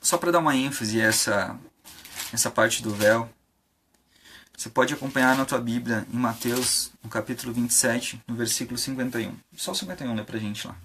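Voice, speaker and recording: A man's voice: mid-range voice, fairly even intonation, brisk, fairly bright tone, a little hiss or hum. A man preaching an informal sermon on a live stream, conversational, with many fillers and rhetorical questions.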